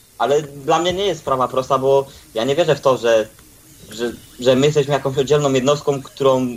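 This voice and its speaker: Noticeable background noise sits behind a man talking at a fairly quick pace. His voice is fairly high, with fairly even intonation. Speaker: caller. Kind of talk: heated debate.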